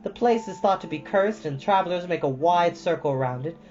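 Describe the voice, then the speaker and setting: A man's voice: high-pitched, lively intonation, brisk, darkish tone. Muffled male storyteller reading over music. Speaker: host of a storytime reading show. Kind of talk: expressive storybook read-aloud. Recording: dull lo-fi sound with music behind.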